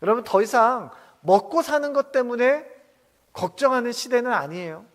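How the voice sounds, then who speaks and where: Male pastor, high voice, sermon, echoing church hall, questions to the congregation, soft to loud. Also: expressive, normal speed. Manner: asks the congregation many questions, dramatic shifts between soft and loud. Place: church sanctuary. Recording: long reverb of a church hall.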